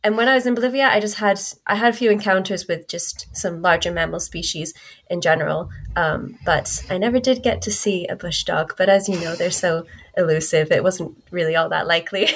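A Scottish woman in her twenties, her accent tinged with American, answering interview questions as a researcher, thoughtful and pausing often. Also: on the low side, a bit bright, breathy edge. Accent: Scottish with some American influence. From Scotland. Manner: thoughtful, with frequent hesitations. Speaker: guest, wildlife researcher. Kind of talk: casual interview chat.

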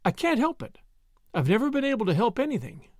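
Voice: mid-range voice, very animated, fast, no echo, clean studio sound, pitched above the performer's own voice. A narrator voicing an anguished, lovesick woman in an audiobook, dramatic and pleading as she reproaches herself. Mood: anguished, confessing.

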